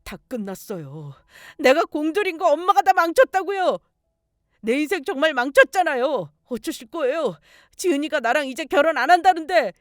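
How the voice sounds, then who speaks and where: A woman's voice: a little high, very animated, brisk, darkish tone, dry recording, studio quality. Woman voicing a greedy whining young fiancé.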